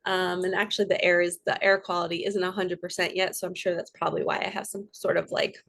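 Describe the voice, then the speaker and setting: A woman's voice: lowish voice, little pitch movement, fast, gravelly, fairly bright tone. A woman giving a casual spiritual reading to her viewers in a chatty, earnest and rambling way, her voice a little froggy and nasal. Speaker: spiritual coach and tarot reader.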